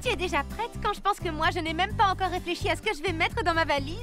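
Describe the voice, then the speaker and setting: A woman voicing a lively, friendly young girl in an animated children's cartoon, with music behind. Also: extremely high pitch, fast talker.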